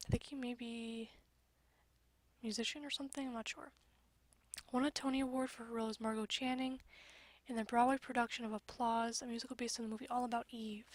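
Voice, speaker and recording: A woman's high-pitched, monotone, flat delivery at a very fast pace, broken by long, frequent pauses. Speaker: gaming youtuber. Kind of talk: casual gameplay commentary. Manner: hesitant, many fillers; reading facts aloud.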